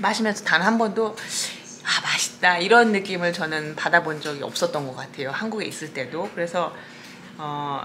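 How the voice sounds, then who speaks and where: The voice is an ordinary speaking voice. Light background noise can be heard. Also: woman. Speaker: vlogger. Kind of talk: casual vlog chat. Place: kitchen.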